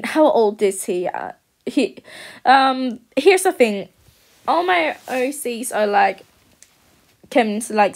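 A young woman from Denmark chats unscripted on her channel, stumbling through restarts and fillers. Her voice sits a little high, and she talks at an unhurried, slow pace. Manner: halting, many fillers and restarts. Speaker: channel host. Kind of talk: unscripted casual talk over a speed paint.

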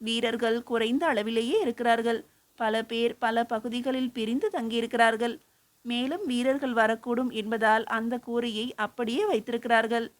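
A woman's voice: a little high, flat delivery, moderate pace, lightly acted. A woman voicing a young male scholar who speaks with earnest, respectful humility.

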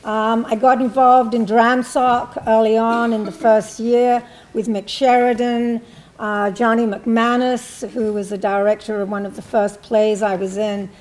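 An older woman from England recalls her student days as a panelist, her voice sitting a little high for a woman. She speaks in a reflective, measured way, pausing with ums and restarting her sentences. She sits at a panel in a university hall. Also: little pitch movement, darkish tone. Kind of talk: personal recollection at a panel talk. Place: university hall with a seated audience.

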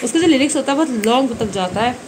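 Hoarse, chatty woman vlogger. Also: on the high side, expressive, quick pace. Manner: chatty, addresses viewers directly. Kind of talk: casual vlog chat to camera. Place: small room at home, indoors. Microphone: phone camera held at arm's length. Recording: noisy home phone recording.

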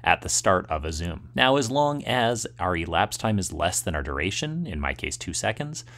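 A man's voice: sits low, sing-song, normal speed, fairly bright tone. A man presenting a tutorial in scripted screencast narration, explaining step by step.

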